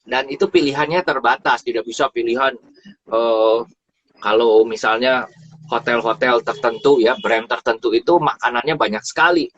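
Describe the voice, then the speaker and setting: A man giving a casual, animated talk about travel on a live stream, often repeating words for emphasis. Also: mid-range voice, normal speed. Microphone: phone or live stream mic. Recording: dull dry live stream audio.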